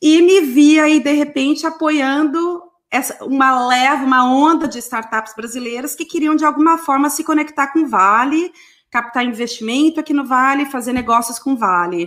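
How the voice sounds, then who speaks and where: A woman's high pitch, ordinary pitch variation and moderate pace. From Brazil, interior of São Paulo state (Araçatuba). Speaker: tech business and startup ecosystem professional. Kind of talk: interview.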